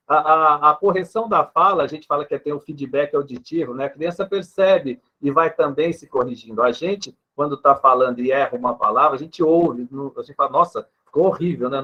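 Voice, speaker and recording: A man with a Brazilian Portuguese accent, a speech therapist, patiently explaining with examples and a habit of tagging his sentences with a questioning "né". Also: on the high side. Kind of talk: explanatory interview answer. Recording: dull lo-fi sound.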